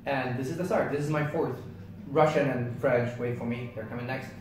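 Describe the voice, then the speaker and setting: A man's voice: mid-range voice, fairly even intonation, brisk, heavy reverb, distant mic, background noise. A man in his twenties from Yemen whose native language is Arabic, co-hosting a casual chat in an upbeat, eager way. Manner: upbeat and eager, laughs often. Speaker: co-host.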